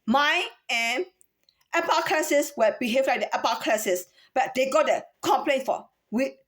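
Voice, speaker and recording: This Myanmar vlogger's high, expressive voice unfolds unhurriedly in a loose, casual monologue to camera, peppered with rhetorical questions and false starts.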